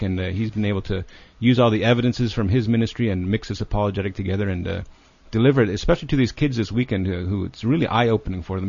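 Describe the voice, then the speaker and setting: A man from Canada speaks fast and earnestly, making his case in a low voice. The studio sound is dry and close, with a dull, lo-fi tone. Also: a little mellow, breathy edge, no echo. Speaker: guest speaker. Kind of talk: studio radio conversation.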